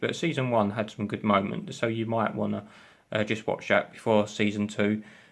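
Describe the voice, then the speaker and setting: A man with a British accent talks at a fairly quick pace and fairly even intonation, the background quiet. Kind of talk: casual talk to camera. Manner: fast.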